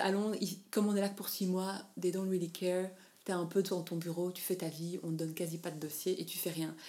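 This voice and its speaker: Speaking at a moderate pace, a woman keeps to a medium pitch. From Belgium. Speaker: fashion blogger and business lawyer. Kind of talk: interview conversation. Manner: halting, many fillers and repetitions.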